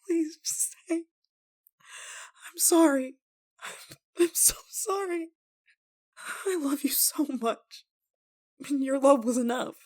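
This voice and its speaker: A high-voiced woman acted by a female performer plays an obsessive yandere lover in an emotional audio roleplay. She is desperate and guilt-ridden, pleading in halting phrases that often stumble and stammer. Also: animated, darkish tone. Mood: pleading, grieving. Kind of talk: ASMR roleplay monologue, emotional acting.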